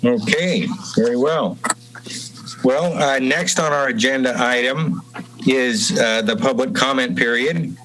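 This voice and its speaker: A man chairing a public meeting in formal procedural language, speaking in a halting, deliberate way. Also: mid-range voice, fairly bright tone, a little hiss or hum, rough recording. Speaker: commission chairman. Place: remote meeting over Zoom.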